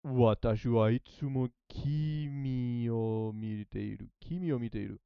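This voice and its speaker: Faint music plays behind a medium-pitched, gravelly man who speaks at a measured pace with a clear, resonant tone, though the audio is dull and has no echo. Thinking aloud in a laid-back study vlog, this learner of Japanese, not a native speaker, hesitates and repeats phrases while translating.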